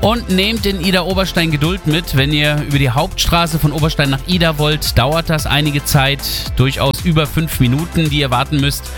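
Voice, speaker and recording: A man's voice: a little high, fairly even intonation, moderate pace. A male radio host giving traffic and weather reports in a chatty way, speaking directly to his listeners from a studio. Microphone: studio microphone. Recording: music bed under the voice. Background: music bed under the talk.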